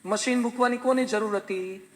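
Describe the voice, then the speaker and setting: A man, a swami, giving a sermon full of homely anecdotes and gentle humor. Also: high-pitched, normal speed, long reverb tail. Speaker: swami preacher.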